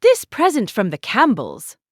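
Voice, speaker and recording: A woman's voice: on the high side, wildly swooping pitch, a little slow, no room sound, clean studio sound, full character voice. A woman voicing a genteel young lady, polite and carefully probing, in a period audiobook drama.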